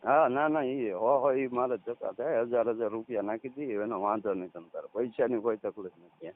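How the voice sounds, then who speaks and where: A man in his thirties with a Saurashtra Gujarati accent, talking casually as a caller in halting, repeated short phrases. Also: medium pitch. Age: 30s. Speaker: caller, farmer. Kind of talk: casual phone conversation. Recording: tinny, narrowband phone call recording.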